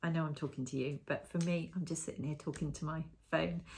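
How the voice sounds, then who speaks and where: Against a silent background in a very clean recording, a woman talks at a fairly quick pace in a very deep, low pitch, somewhat breathy, relaxed in tone and monotone with flat intonation. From Cornwall, England. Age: 60s. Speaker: yarn shop owner and knitting vlogger. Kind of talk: casual vlog chat to camera. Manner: relaxed, chatty with frequent fillers.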